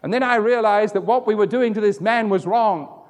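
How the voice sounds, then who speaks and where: High-voiced preacher in an echoing hall. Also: male voice, moderate pace. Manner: storytelling, acts out quoted voices with wide pitch swings. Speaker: pastor. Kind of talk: sermon.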